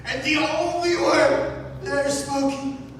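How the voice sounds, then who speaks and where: A man giving a dramatic, haunted recitation of gothic poetry on stage, with halting pauses, recorded from the audience at a live event. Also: very high-pitched, fairly even intonation, fairly bright tone. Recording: echoey hall, distant mic, noisy room.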